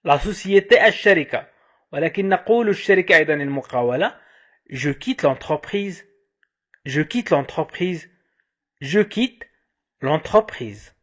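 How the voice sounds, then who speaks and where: A man teaching a language lesson, saying each phrase slowly over and over, then quickly glossing its meaning. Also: a little high, fairly bright tone. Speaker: French teacher. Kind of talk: slow repetition drill with translations.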